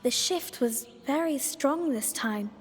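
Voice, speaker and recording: High-voiced, enigmatic young girl guide. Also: lively intonation. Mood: reassuring, teasing. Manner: unhurried, cryptic, gently teasing. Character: enigmatic playful girl guide in a cursed mythic Persia. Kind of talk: video game dialogue. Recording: long reverb, faint music behind.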